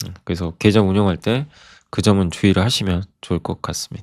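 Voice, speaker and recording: Over a silent background on a very clean recording, a man speaks with a very deep, low pitch. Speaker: securities analyst and investment educator. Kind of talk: lecture. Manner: casual, conversational.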